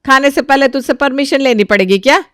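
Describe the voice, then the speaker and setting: A woman voicing a bossy elderly grandmother who scolds and hushes her grandson in a storybook tale. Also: high-pitched, fairly quick, no room sound, studio quality, voice pushed up, lightly acted. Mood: defensive. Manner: bossy, hushing, sharp scolding. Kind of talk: storybook voice acting.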